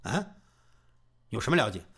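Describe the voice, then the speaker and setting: A man's voice: fairly low pitch, sing-song, normal speed, vocal fry, slightly rough, voice pushed down, exaggerated voice. A man doing an indignant hot-tempered swordsman. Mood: questioning. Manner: indignant, sharp outbursts.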